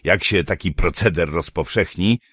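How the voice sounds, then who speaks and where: A man doing Jarpen, a gruff scheming dwarf. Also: low-pitched, normal speed, fairly bright tone, no room sound, clean studio sound. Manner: coarse, conspiratorial. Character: gruff scheming male dwarf, blunt and crude.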